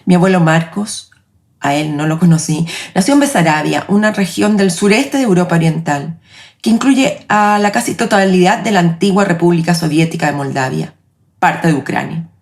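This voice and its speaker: A woman in her late forties with a Chilean accent, hosting her own podcast in a reflective, measured, personal narration. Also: on the low side. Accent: Chilean Spanish. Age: 40s. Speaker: podcast host.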